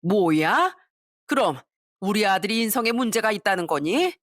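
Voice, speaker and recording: A woman's voice: mid-range voice, very animated, moderate pace, fairly bright tone, dry recording. An indignant middle-aged mother-in-law scolds sharply, as a woman reads her part. She sounds dry and close, in an audio story.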